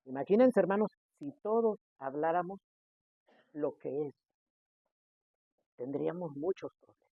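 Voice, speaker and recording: A Mexican man preaching a sermon as pastor, acting out the people he quotes with sudden shifts in loudness. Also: a little high, animated, unhurried, pauses often, no room sound. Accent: Mexican Spanish. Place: church. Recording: dry, tinny phone-like sound.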